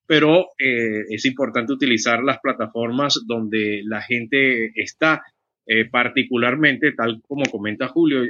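Podcaster guy, sharp bright voice, pauses a lot, dry muffled audio. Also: medium pitch, dry recording. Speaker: podcaster, panel guest. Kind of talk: online panel discussion.

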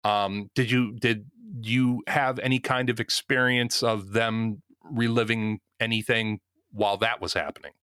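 A man hosting a podcast, speaking in a deliberate, measured way as he leads the group. His voice sits low but has a bright, forceful edge. The sound is dry and close. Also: steady tone, clear, resonant tone, no room sound. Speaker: podcast host. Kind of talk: podcast discussion.

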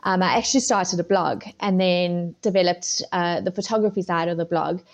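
A woman's voice: fairly low pitch, moderate pace. A middle-aged woman with a South African accent, a food photographer answering interview questions in a loose, rambling way full of ums and restarts. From Zimbabwe and South Africa. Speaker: podcast guest, food photographer.

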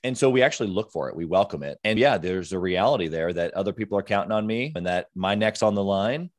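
A man's voice: deep voice, expressive, fast talker, no room sound. A man hosting a podcast, interviewing conversationally with affirming, emphatic remarks. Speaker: podcast host.

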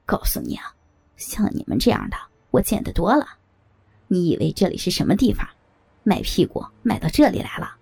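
Scornful low-voiced guard read by a woman, gravelly and dismissive, audiobook. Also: huge pitch swings, brisk, darkish tone, dry recording, full character voice. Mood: sneering. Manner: sneering. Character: contemptuous male building security guard.

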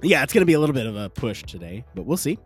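A man with a raspy, sick voice, hosting a casual live podcast and joking at his own expense. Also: mid-range voice, big pitch swings, very fast, faint music behind. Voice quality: husky, raspy. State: sick, raspy voice with throat clearing. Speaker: podcast host. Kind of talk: casual livestream chat.

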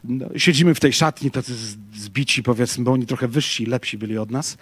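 A middle-aged man, a pastor from Poland, giving a lecture full of personal anecdotes and acting out what people shout. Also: mid-range voice, fairly quick, slightly rough, dry recording. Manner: animated storytelling, acts out quoted shouts.

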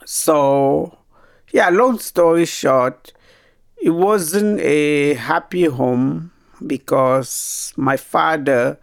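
A middle-aged woman from Cameroon, a native French speaker with a Cameroonian French accent, telling her life story haltingly, searching for words. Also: sits low, gravelly, no room sound, clean studio sound. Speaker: guest.

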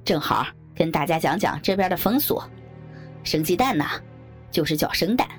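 A woman's voice: low voice, lively intonation, normal speed, faint music behind, pitched below the performer's own voice. A woman doing a sly, leering best man. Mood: explaining. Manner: smirking, mock-reassuring, explains with relish.

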